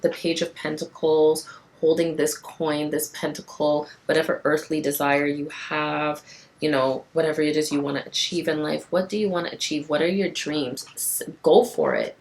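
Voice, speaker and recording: A woman giving a casual, passionate tarot card reading to camera, with a raspy, tired voice and encouraging repetition. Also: low voice. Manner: passionate, encouraging, repeats phrases for emphasis.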